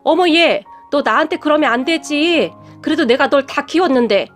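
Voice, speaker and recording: Storybook figure: high-pitched sneering aunt, greedy and scheming, read by a woman narrator, faint music under. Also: lively intonation, moderate pace. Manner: sneering, taunting.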